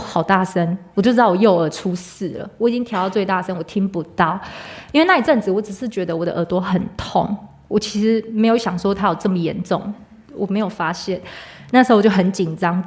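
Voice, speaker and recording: A woman in her thirties with a Taiwanese Mandarin accent, giving a personal church testimony in a conversational storytelling way, with pauses and fillers. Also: mid-range voice, darkish tone. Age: 30s.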